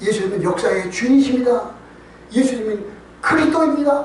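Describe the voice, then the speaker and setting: The man's voice sits at an extremely high pitch. Audible room echo and noticeable background noise surround it. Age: 70s. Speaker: pastor. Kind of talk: sermon.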